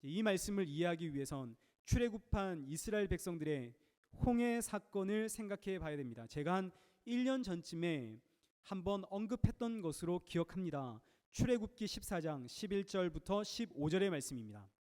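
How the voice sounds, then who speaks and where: A male pastor delivering a sermon in earnest, expressive preaching, lifting his voice to act out the scripture passages he quotes. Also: high-pitched, moderate pace. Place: church sanctuary. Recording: long reverb of a church hall.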